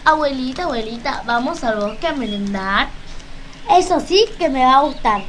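A woman's voice: high voice, expressive, moderate pace, slight background noise. A woman voicing Little Red Riding Hood and her timid grandmother in rhymed, repetitive storybook lines for a children's radio play. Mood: playful.

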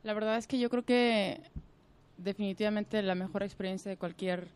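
A woman in her thirties with a Mexican Spanish accent, a guest on a radio talk show, lively and enthusiastic. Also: medium pitch, normal speed, clear, resonant tone. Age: 30s.

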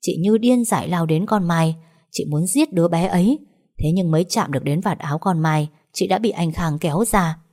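A woman reads a dramatic story aloud in a lowish voice. Her narration is scripted and even, carrying the plot between the characters' lines. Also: normal speed.

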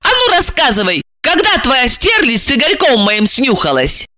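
A woman's voice: sits high, wildly swooping pitch, moderate pace, sharp tone, voice pushed up, exaggerated voice. A woman voicing a hysterical, jealous young woman of twenty-eight who squeals in indignation. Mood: indignant.

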